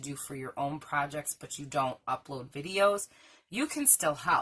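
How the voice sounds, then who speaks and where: A loud woman's voice, very deep and low in pitch, at a moderate pace. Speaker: craft channel host. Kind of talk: casual chat. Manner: animated.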